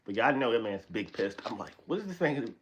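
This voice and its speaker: Animated rambling man hosting a live stream. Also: mid-range voice, quick pace, slight background noise. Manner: animated, rambling, self-correcting, laughs often. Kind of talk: casual chat.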